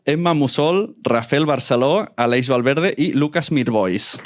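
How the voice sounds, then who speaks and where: A man's voice: medium pitch, expressive, measured pace, over a noisy crowd, very noisy. A man with a Spanish accent from Spain hosts a live panel before an audience. His talk is informal and playful, with teasing asides as he introduces guests and puts questions to them. His voice sits in a medium register. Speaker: event host and panel moderator. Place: live event venue with audience.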